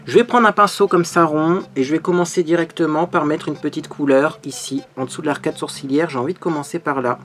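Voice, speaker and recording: Chatty guy doing a makeup tutorial, bubbly and upbeat, voice on the higher side. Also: fairly even intonation, a little fast, hardly any pauses, a bit bright. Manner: bubbly, chatty, peppered with "hein". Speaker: beauty vlogger.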